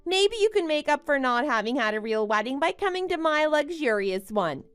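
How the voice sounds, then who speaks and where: Casting: actress as smug bride-to-be for animated story drama, high and very animated, gloating and condescending. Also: female voice, normal speed. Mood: gloating, taunting. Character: smug, boastful young bride who taunts her friend. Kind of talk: melodramatic animated-story voice acting.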